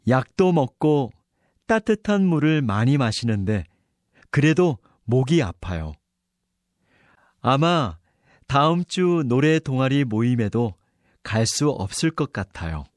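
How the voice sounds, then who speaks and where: Man reading test dialogue with a lively tone. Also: medium pitch, slow pace, pauses often, no room sound, clean studio sound. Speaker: dialogue reader on a Korean listening exam. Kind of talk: scripted exam dialogue.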